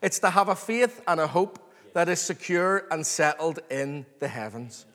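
A man preaching an expository sermon to a congregation, earnest, excited and emphatic, repeating phrases and calling for response. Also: fairly high pitch, moderate pace. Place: large reverberant room, live before a congregation. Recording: long hall reverb.

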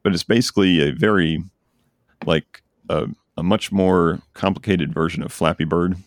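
A man's voice: low-pitched, steady tone, normal speed, dry recording, studio quality. A man hosting a podcast, chatting casually and enthusiastically about games he recommends. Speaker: podcast host. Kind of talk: casual chat.

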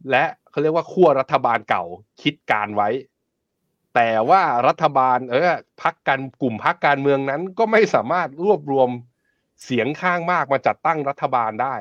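A man's voice: mid-range voice, animated, moderate pace, a bit bright, no echo. Male talk show host, dry lo-fi sound. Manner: conversational, blunt and joking. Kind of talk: casual live finance talk show.

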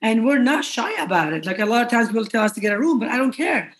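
A woman's voice: fairly high pitch, big pitch swings, fast talker, a little hiss or hum. A woman who grew up in Iraq, co-hosting a podcast, chatty and open, laughing easily. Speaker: podcast co-host. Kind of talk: casual podcast interview.

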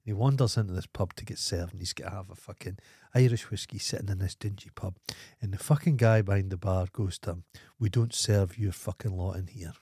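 A man's voice: low voice, a little fast, few pauses, mellow, husky, no room sound, clean studio sound. A Scottish man co-hosting a podcast, telling stories in blunt, sweary casual chat. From Scotland. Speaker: podcast co-host.

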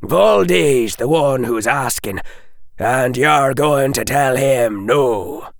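A man's voice: mid-range voice, lively intonation, slow, gravelly, no room sound, clean studio sound, pitched above the performer's own voice. A man voicing a harsh, blunt male fighter who growls his words. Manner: growling and forceful.

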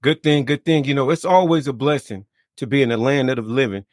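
A man hosting a faith podcast as a minister, talking in a casual, warm-hearted preacher way with lots of repeated amens and greetings. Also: mid-range voice, a little fast, no room sound, clean studio sound. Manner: lively, repetitive, preacher-like affirmations. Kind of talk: casual interview.

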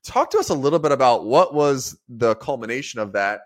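A man's voice: medium pitch, animated, a little fast. A man co-hosting a business podcast, talking upbeat and casual with a few fillers. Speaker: podcast co-host.

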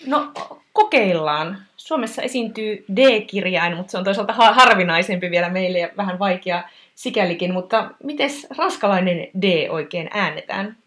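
A woman's voice: mid-range voice, few pauses, a bit bright. A woman co-hosting a lesson, asking curious, informal questions.

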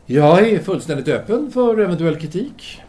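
An actor playing a self-assured, philosophizing Parisian intellectual man in an audio drama, with formal, deliberate phrasing. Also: high-pitched, sing-song, warm tone. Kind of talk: audio drama acting, formal literary dialogue.

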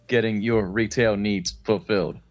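A man co-hosting a comedy podcast in casual chat, laid-back, crude in his jokes and quick to laugh. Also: lowish voice, steady tone, dry recording, soft background music. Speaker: podcast co-host.

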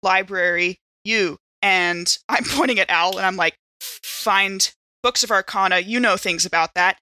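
A woman's voice: medium pitch, a little slow, sharp tone, no room sound. A woman playing a tabletop roleplaying game, switching casually between speaking for her character and chatting about the rules.

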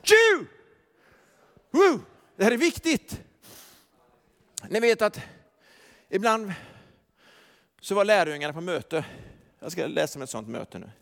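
A pastor preaching in a high, light voice that carries through a reverberant church hall. He moves from hushed, chuckling asides to loud, emphatic declarations. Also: lively intonation, vocal fry, pauses often. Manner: chuckles often while telling. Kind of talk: sermon. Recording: long reverb of a large hall.

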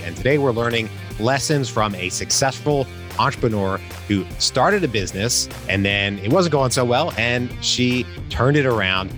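A man's voice: sits low, fairly bright tone. A man hosting a podcast, reading an upbeat intro with a slightly congested, nasal voice. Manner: upbeat, salesy call-to-action delivery. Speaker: podcast host.

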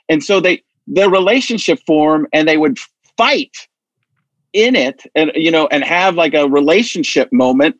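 A man hosting a podcast, telling stories in a rambling, animated way with many restarts. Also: on the high side, dry recording, highs cut off. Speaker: podcast host. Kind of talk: casual chat.

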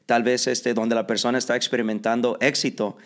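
A man hosting a podcast interview in a relaxed, chatty way, full of fillers and slipping between Spanish and English. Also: mid-range voice, brisk. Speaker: podcast host. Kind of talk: casual bilingual interview.

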